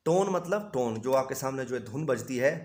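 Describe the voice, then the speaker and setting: A man with a mid-range voice explains music theory to students in a steady, patient way. He keeps posing simple questions and then answering them himself, and notes from an instrument sound between his phrases. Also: mid-range voice, moderate pace. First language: Hindi. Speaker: music teacher.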